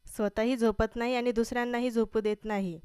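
A woman's voice: on the high side, little pitch movement, fairly quick, a little mellow, clean tone, no room sound, clean studio sound, lightly acted. A woman voicing a stern young businessman husband who speaks in curt, commanding lines. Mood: irritated.

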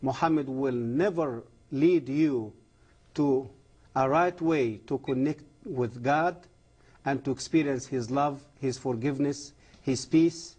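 A middle-aged man, a guest on a TV program, giving a fervent testimony in halting non-native English with frequent restarts. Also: mid-range voice, darkish tone, slightly rough. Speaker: guest, former imam.

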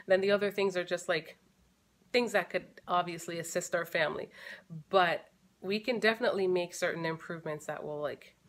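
A woman in her thirties talks casually to a camera set close in front of her at home. Her voice sits a little low, and she thinks aloud as she goes, full of fillers and restarts. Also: fairly quick. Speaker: family vlogger. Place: living room at home.

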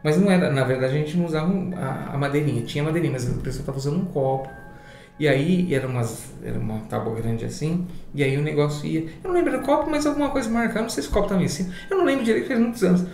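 A Brazilian man tells his story in an interview, animated and salty, his voice sitting a little high. The room around him rings with echo, and faint music plays under it. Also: racing, vocal fry. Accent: Brazilian Portuguese.

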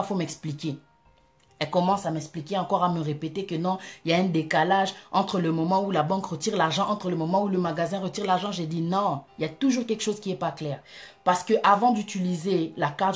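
A woman telling an animated, emphatic personal testimony in a casual way. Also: fairly low pitch. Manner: animated, emphatic, breaks into laughter. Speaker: Christian vlogger.

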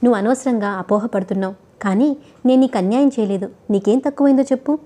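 A woman voicing an evasive, short-tempered wealthy husband who talks smoothly and then snaps. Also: a little high, fast talker, warm tone, close to an everyday voice. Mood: coaxing.

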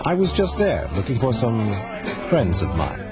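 An actor playing a calm, sinister male chief of searchers who hunts fugitives with smooth, unhurried politeness. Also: mid-range voice, loud music behind the voice. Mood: menacing politeness. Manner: smooth, unhurried, quietly menacing. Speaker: villain searcher. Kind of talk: 1980s radio drama acting.

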